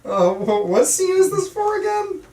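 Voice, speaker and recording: A man's voice: very high voice, sing-song, normal speed, over a noisy crowd. A man reading casual dialogue in an amateur table read. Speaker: table read participant playing a young film student. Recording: echoey room, distant mic.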